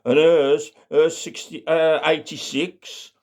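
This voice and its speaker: A man's voice: on the high side, level tone, takes it slowly, darkish tone, voice pushed up. Bashful Black Country old-timer in his eighties, hesitant and homely, for comic storytelling played by a man. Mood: bashful, fumbling. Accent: Black Country English. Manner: fumbling, hesitant, colloquial.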